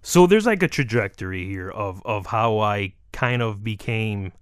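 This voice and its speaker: A man's voice: on the low side, lively intonation, a little slow, smooth, no room sound, studio quality. A man with a Miami Cuban-American accent, a comedian chatting casually and slangily as an interview guest. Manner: joking, slangy, says dude and bro. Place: radio studio. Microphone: close studio microphone.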